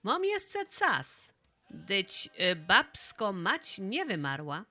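Woman doing a cocky, teasing highland lad. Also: very animated, takes it slowly, bright, forceful tone, heavily acted. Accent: Podhale highland. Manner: teasing, joking. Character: cocky young highland lad, ladies' man.

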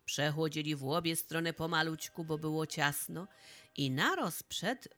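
A woman with a Podhale highland accent reading a folk tale in highland dialect, in a slow, homely way. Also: a bit bright. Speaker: storyteller.

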